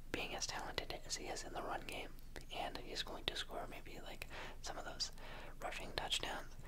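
Soft-spoken man at a moderate pace over loud background noise. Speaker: fantasy football streamer. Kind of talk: commentary. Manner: soft ASMR voice close to mic. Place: home room. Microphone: studio mic.

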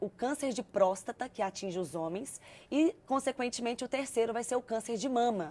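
Speaking at a moderate pace, a woman with a fairly high pitch and a dark, mellow tone uses lively intonation. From Minas Gerais, Brazil (Patrocínio); Minas Gerais, Brazil. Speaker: federal lawmaker; politician interview guest. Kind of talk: TV interview. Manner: formal. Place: studio. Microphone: lapel.

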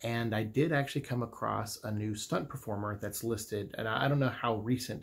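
Against a quiet background, a man with a somewhat breathy voice speaks at a moderate pace with ordinary pitch variation. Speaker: YouTube vlogger. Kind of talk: casual vlog. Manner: quiet, keeping voice down. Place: home room.

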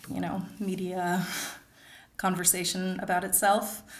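A woman with an American accent, fairly slow in pace, in audible room echo. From United States. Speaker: journalist and researcher. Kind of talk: lecture. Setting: stage with audience. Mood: amused. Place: office.

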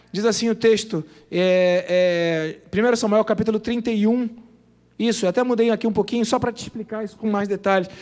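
Over a quiet background, a man with a high voice talks at a moderate pace with fairly even intonation. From Brazil. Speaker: preacher. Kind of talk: sermon. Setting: church. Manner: earnest, exhortative, pleading direct appeals. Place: church. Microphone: handheld.

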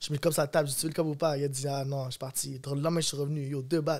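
Somewhat breathy speech comes at a very fast pace in a Quebec accent. The intonation is monotone and flat. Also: man. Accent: Quebec French accent when speaking English. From Montreal, Quebec. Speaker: rapper; guest. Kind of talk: interview. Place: studio. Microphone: studio mic.

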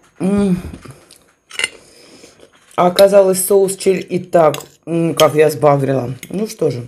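A woman with a fairly low pitch speaks at a very slow pace, with ordinary pitch variation and long, frequent pauses. Light background noise is present. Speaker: children's hospital nurse. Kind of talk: casual mukbang talk to camera. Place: home room. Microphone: phone near.

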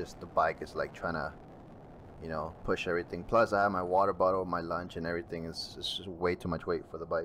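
A man with a very deep, low pitch speaks at a fairly quick pace in a monotone, flat intonation, with light background noise. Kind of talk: casual vlog chat.

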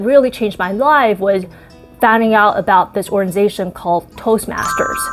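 A woman's fairly high voice at a fairly quick pace, with faint music in the background. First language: Chinese. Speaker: career coach. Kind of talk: casual talk to camera. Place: home room.

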